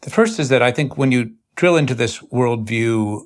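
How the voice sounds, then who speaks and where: A man with a mid-pitched voice leads a thoughtful, long-form conversation. He speaks earnestly and deliberately, sometimes halting and repeating words as he works toward his point. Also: expressive. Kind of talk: intellectual conversation.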